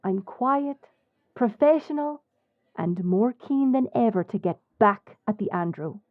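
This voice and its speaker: A woman with an Irish accent playing a bold, sly smuggler captain in an audio drama, composed and cheeky in a measured way. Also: a little high, animated, no echo, narrow, tinny audio. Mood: earnest, persuasive. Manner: measured, deliberate. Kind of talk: audio roleplay acting with story narration.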